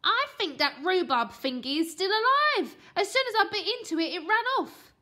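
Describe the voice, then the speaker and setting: A woman's voice: very high-pitched, sing-song, moderate pace, pushed and bright, pitched above the performer's own voice, heavily acted. A woman voicing a bratty young boy who whines and mangles his words. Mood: whiny.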